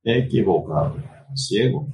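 A man's voice: fairly low pitch, expressive, measured pace, a little mellow. A man preaching a sermon who tags nearly every phrase with a questioning "right?", restarts words and cites scripture by chapter and verse. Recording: voice distant from the microphone.

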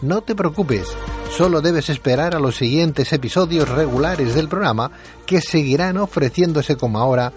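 A man's voice: fairly high pitch, moderate pace. A man with a Castilian accent from Spain, reading a scripted promotional message as a radio podcast presenter. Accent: Castilian Spanish from Spain. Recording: faint music behind the voice.

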